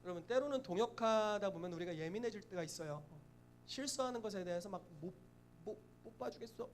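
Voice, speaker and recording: High-voiced lively preaching man. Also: fast, slight background noise. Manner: lively, acts out quoted voices, laughs often. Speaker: pastor. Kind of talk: sermon. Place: church.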